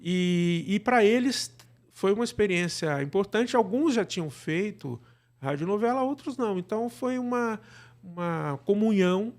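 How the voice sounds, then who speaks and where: A Brazilian radio drama director, appearing as an interview guest, explains things conversationally and keeps checking for agreement with little tag questions. His voice is high and slightly mellow, with lively intonation at a normal speed.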